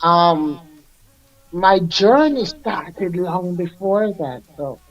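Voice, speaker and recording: An older man, a music artist recalling his career in an unhurried, reflective way as a radio guest. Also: sits high, lively intonation, lo-fi sound. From Jamaica. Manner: unhurried, reflective, laughs often. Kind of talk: radio interview.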